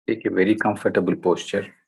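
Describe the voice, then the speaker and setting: A man guiding a meditation in a gentle, deliberate way, speaking in short phrases with long pauses between them. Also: lowish voice, steady tone, gravelly, husky. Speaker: meditation guide. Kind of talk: guided meditation instruction.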